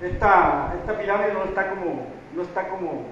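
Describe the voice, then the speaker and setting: A male preacher with an unusually high voice delivers a sermon, constantly turning to his listeners with a questioning tag and a repeated plea for God's help. His voice booms around a heavily echoing church hall. The recording is muffled and dull, with a faint hiss underneath. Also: moderate pace, fairly bright tone. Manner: repeats "may God help us" and tags "right?" to the congregation.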